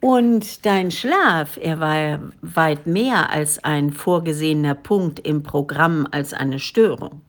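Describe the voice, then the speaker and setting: A woman reading the part of a kindly, humorous, ageless male spirit guide in an audiobook, in a gentle, teasing, patient way. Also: low voice, takes it slowly, hardly any pauses. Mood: gently amused.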